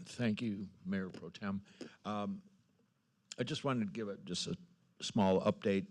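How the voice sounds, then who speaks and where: A man speaking as a city council member, giving an informal update in a low-key, halting way. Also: darkish tone.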